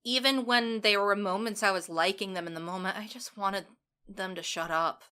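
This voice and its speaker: Brief: young female co-host, bright edge to the voice, blunt casual opinions. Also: medium pitch, moderate pace, clean tone. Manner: blunt, emphatic, swears. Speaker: podcast co-host. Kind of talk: casual anime review chat.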